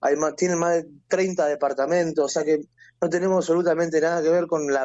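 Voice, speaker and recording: Fairly even intonation marks this man's delivery at a moderate pace. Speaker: grieving father of a murder victim. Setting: phone call. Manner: halting, choked, repeating phrases, trailing off mid-sentence.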